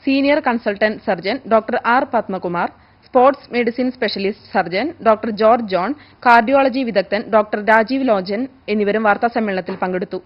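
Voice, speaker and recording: A woman reads scripted news in a formal, measured manner. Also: fairly high pitch. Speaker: news reader. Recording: dull, lo-fi broadcast audio.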